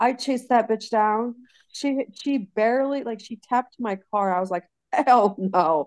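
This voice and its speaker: A woman speaks fairly slowly in an unremarkable speaking voice, fairly high in pitch and with ordinary pitch variation. The sound is dry and close, with no echo. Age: 40s. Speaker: podcast co-host. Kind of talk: casual chat.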